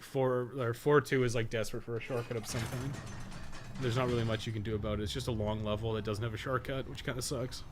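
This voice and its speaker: A man's voice: lowish voice, background noise. A man giving casual live gameplay commentary, thinking aloud in a rambling way and swearing casually. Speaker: podcast co-host and game guide writer.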